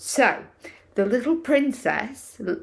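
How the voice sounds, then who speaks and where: Her pitch swinging very widely, a woman speaks in an English accent. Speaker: royal gossip vlogger. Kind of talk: opinion vlog. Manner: lots of ums and hesitations.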